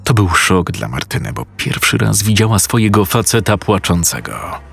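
A man with a low, husky voice tells a horror story in a steady, suspenseful manner. Faint music plays under his narration. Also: normal speed.

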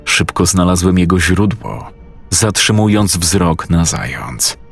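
A man narrates a first-person horror story in a slow, suspenseful manner. His voice is deep and breathy, and soft music plays beneath the telling. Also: lively intonation. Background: faint music.

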